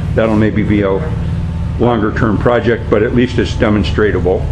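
A man at a moderate pace, under loud background noise. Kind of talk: casual walk-through commentary. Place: workshop. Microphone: phone near.

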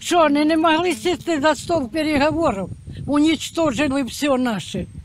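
Over light background noise, a woman talks at a very slow pace and a high pitch, in a dry sound with no echo. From Mariupol, Ukraine. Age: old. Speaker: local resident, retired factory worker. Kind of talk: street interview. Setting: outdoors on the street. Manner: emotional, bitter. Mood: bitter, grieving. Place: street. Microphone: handheld.

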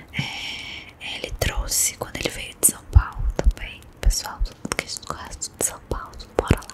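Soft-spoken and whispering, a woman speaks at a moderate pace over loud background noise. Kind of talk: soft casual ASMR-style show-and-tell. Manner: soft close-mic ASMR whisper. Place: home room. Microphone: studio mic.

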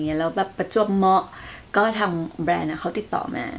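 This is a woman speaking. Her pitch sits in the medium range and varies in an ordinary way. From Bangkok, Thailand. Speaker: beauty and lifestyle YouTuber. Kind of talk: casual vlog talk to camera. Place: home room. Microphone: phone near.

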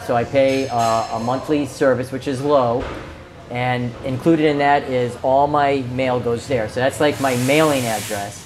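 Monotone, flat male speech in an American accent, with faint music in the background. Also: fairly slow pace. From Connecticut, US. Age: 50s. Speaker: retired biomedical equipment technician and expat; interviewee. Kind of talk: casual interview. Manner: hesitant, many fillers. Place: cafe.

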